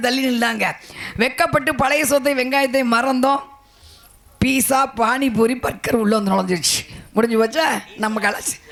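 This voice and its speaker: An actress in a village stage drama playing a proud, outspoken hill-country maiden, singing verses and then lecturing the audience in a declamatory way. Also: female voice, high-pitched, fairly bright tone.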